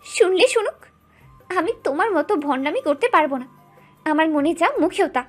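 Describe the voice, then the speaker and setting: A very high-voiced fiery young wife. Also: female voice, animated, moderate pace, faint music behind. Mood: angry. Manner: biting, accusing outbursts. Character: hot-tempered young wife, sharp and accusing. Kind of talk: audio drama acting.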